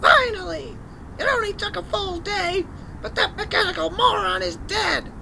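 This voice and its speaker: A woman playing a gloating, scheming villainous henchwoman with a creaky voice in an amateur audio drama. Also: very high-pitched, moderate pace, sharp tone, a little hiss or hum, heavily acted, poor audio.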